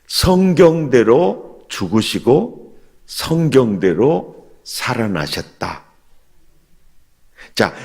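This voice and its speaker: Male pastor, revival sermon, husky voice, lively pitch, asks the congregation questions. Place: church sanctuary. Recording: long hall reverb in church.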